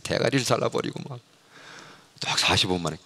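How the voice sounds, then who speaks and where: A middle-aged man, a pastor and missionary, preaching a sermon in an animated storytelling way, acting out dialogue and sometimes shouting. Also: on the low side, fast, slightly rough.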